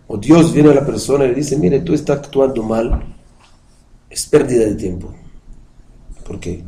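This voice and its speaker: A man's voice: mid-range voice, warm tone, rough recording. A man teaching a Jewish study class, explaining patiently, putting questions to his listeners and chanting verses in Hebrew. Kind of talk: religious study lecture with a live class.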